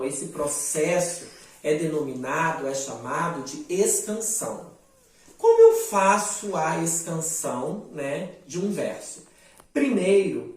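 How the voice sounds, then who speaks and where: Slow Brazilian teacher in a roomy echo. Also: male voice, on the high side, recorded from a distance. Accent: Brazilian Portuguese. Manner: slow, explanatory, with frequent "né" and "tá" checks. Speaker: literature teacher. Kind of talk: recorded online class lecture. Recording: roomy echo, voice set back from the mic.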